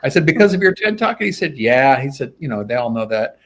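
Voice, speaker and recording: A man's voice: medium pitch, quick pace. A middle-aged man, a guest sword swallower, telling stories in a casual interview and acting out the dialogue he quotes. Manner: animated, acts out quoted dialogue.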